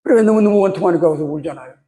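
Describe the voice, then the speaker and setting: A man's voice: on the high side, animated, racing, warm tone. A male pastor giving an impassioned, emphatic sermon full of rhetorical questions.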